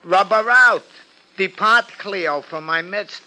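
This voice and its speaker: Give this one a high, very sharp, forceful voice: an anxious New York florist, devoted to his wife and close to tears. He talks in slangy tough-guy street talk with mangled grammar, in the manner of 1950s radio drama. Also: slow, heavily acted, low-quality recording. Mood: agitated, insistent.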